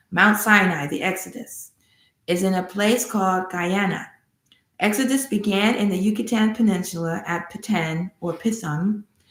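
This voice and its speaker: Her voice is a normal speaking voice, a woman at a medium pitch and a moderate pace. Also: ordinary pitch variation. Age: 60s. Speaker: spiritual wellness channel host. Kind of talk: casual livestream talk, reading from notes. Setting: livestream with sun on face.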